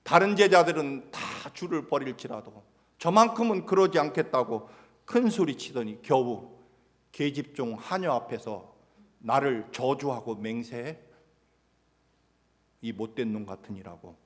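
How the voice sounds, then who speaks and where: A pastor doing stern, scolding Jesus. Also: male voice, fairly low pitch, fairly even intonation, a little fast, hardly any pauses, natural voice. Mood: indignant scolding. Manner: loud, indignant, scolding. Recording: long church hall reverb.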